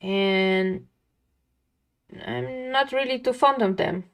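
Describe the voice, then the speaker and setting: A woman's voice: a little high, takes it slowly, clean tone. Chatty woman livestreaming her drawing. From lives near a big Dutch city. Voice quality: calming voice. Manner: chatty, talks to chat viewers, laughs often. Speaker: art livestream host. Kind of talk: casual chat while drawing.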